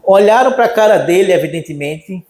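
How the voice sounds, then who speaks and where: Animated Brazilian pastor in echoey church. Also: male voice, high voice, moderate pace. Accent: Brazilian Portuguese. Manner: animated preaching, acting out quoted voices. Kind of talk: sermon.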